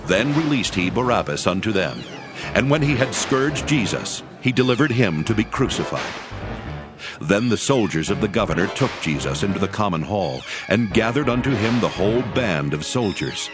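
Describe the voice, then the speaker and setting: A man's voice: fairly low pitch, lively intonation, normal speed, over music. A man narrating scripture as a dramatized reading.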